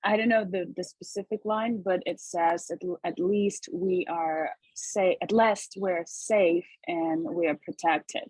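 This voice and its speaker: A woman from Ukraine giving reflective comments on a video call, haltingly searching for her words. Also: lowish voice, steady tone, a little mellow, slightly rough, no room sound, poor audio. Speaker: discussion participant.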